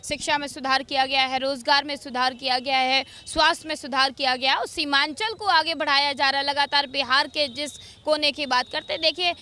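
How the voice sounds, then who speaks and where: A woman's voice: high-pitched, steady tone, fairly quick, few pauses, sharp tone. A woman reporter doing a street interview, putting pointed, challenging questions to the people she questions.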